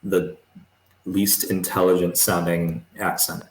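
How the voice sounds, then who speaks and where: A man in casual chat, laughing often and throwing in quick remarks. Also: deep voice, level tone, echoey room, poor audio.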